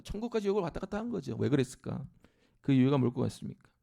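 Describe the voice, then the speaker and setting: A man's voice: rapid-fire, creaky. A man preaching a sermon in church, explaining scripture and acting out lines with rising force. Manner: animated preaching, shouting scripture at peaks, then dropping low. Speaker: pastor. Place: church sanctuary.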